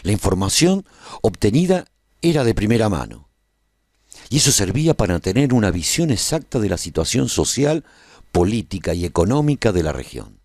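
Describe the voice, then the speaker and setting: A male survivor telling his story in a radio drama. His voice is on the low side and moves in lively swings of pitch. The delivery is scripted, literary and measured, recorded very dry and close. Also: no room sound. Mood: earnest, reflective. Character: male survivor recounting the rebuilding of a post-apocalyptic world. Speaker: narrator of a radio serial. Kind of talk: scripted dramatic first-person narration.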